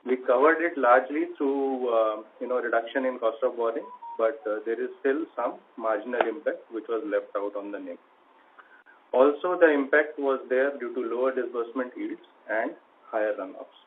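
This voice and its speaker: A man's voice: medium pitch, normal speed. A man with an Indian accent, speaking as a finance chief and reading through a prepared financial report. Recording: noisy phone-like conference line.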